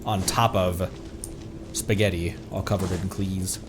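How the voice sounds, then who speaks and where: A man's voice: sits low, steady tone, unhurried, background noise. A man giving casual, playful live commentary while he plays a video game, muttering to himself and exclaiming. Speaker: streamer playing a video game. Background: video game music.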